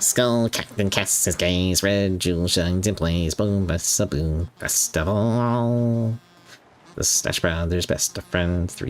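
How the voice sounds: A put-on character voice, nasal in quality, moves at a fairly slow pace with ordinary pitch variation. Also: man, very deep, low pitch for a man.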